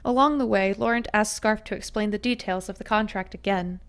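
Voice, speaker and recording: A woman narrating a first-person fantasy story in a steady, even storytelling manner. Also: mid-range voice, a little fast, smooth.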